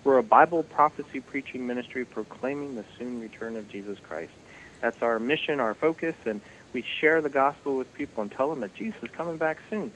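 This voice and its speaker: A man's voice: medium pitch, fairly quick, fairly bright tone, slight background noise, low-quality recording. A man, a guest on a Christian radio show, talking in a friendly way and laughing easily. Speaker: ministry guest. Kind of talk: radio interview conversation.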